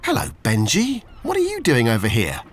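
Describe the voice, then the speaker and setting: A man's voice: medium pitch, wildly swooping pitch, moderate pace, slight background noise. A man voicing a caring, earnest little girl in a children's storybook, with a polite, concerned manner. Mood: friendly, caring.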